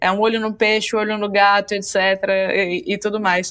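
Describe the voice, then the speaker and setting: With a normal speaking voice, the speaker moves along at a fairly quick pace. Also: woman. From Bahia, Brazil (Salvador). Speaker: journalist and scriptwriter. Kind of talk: book club discussion.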